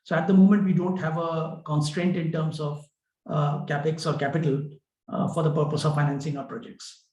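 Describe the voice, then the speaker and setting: A man with an Indian accent answering questions as a company executive on an earnings call, explaining in a measured, hesitant way. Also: a little high, little pitch movement, darkish tone. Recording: roomy, echoing conference call.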